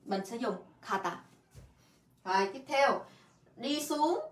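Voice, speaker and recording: Woman, Korean teacher, casual lesson, echoey room, high voice. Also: expressive. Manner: explains in Vietnamese, repeats Korean words and example sentences in quick bursts; refers to herself by her own name and as teacher. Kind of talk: casual online grammar lesson.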